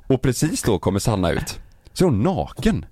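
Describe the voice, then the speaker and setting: A man's voice: mid-range voice, big pitch swings, mellow, no room sound. A man telling a story in casual chat, acting out the quotes and swearing freely. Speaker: podcast host telling a story.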